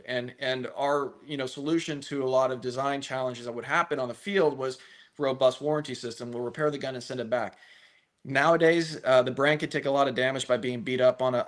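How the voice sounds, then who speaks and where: Guy from a gun maker rambling through answers on a live stream, restarts a lot, normal pitch. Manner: talkative, explains at length with many restarts. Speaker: firearms company representative. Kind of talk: conversational interview answers.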